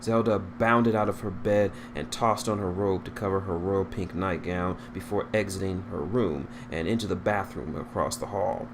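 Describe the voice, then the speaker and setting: A man with a low voice narrates a story in an amateur read-aloud style. He occasionally stumbles and repeats a phrase, and there is clear noise in the recording. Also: normal speed, few pauses. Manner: stumbles over words and rereads phrases. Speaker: fan fiction reader.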